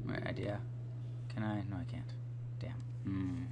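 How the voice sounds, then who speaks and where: A man's voice: sits low, steady tone, a little slow. A young man chatting casually and thinking aloud as he plays a game as co-host of a let's play. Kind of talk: casual chat while gaming. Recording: clearly noisy home recording.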